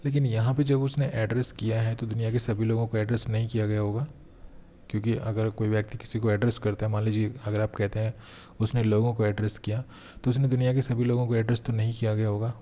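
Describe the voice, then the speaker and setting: A male English teacher giving an exam-prep grammar lesson, explaining step by step and slowing down to read example sentences aloud. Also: fairly low pitch, flat delivery, warm tone.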